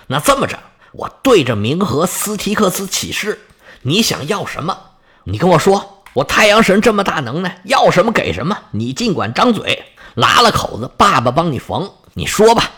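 A man voicing a fatherly sun god who dotes and frets, stammering, in a husky voice. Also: high-pitched, very animated, normal speed, bright, forceful tone, exaggerated voice. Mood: doting. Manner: fretful, pleading, stammering.

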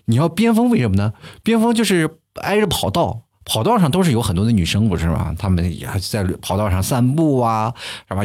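A young man hosting a comic talk show, telling stories with animated delivery and acting out the people he quotes in a high voice. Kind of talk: stand-up style comic monologue.

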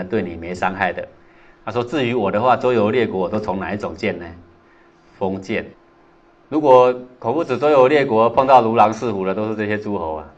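Male lecturer, lowish voice, animated storytelling, acts out quoted speech louder and higher. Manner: animated, acts out quoted lines with rising pitch and volume; asks the listeners rhetorical questions. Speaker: lecturer on classical texts.

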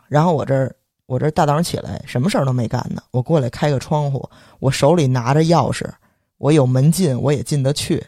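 A man's voice: fairly high pitch, no echo, studio quality. A young man, heavy erhua, telling a story in casual podcast chat. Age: young adult. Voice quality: heavy erhua, quick lively delivery. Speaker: podcast co-host.

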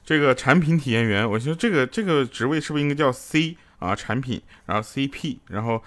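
Lively male comic, stand-up set, swooping playful delivery. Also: mid-range voice, a little fast, heavy background noise. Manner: animated joke-telling with playful asides. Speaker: comedian and sponsor spokesman. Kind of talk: stand-up comedy monologue.

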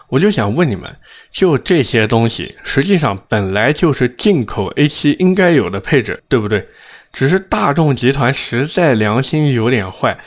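A man hosting a car review show, speaking with slightly slurred, thick-tongued diction in a blunt, sarcastic, opinionated manner. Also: medium pitch. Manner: blunt, sarcastic, rhetorical questions. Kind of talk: opinionated car commentary to audience.

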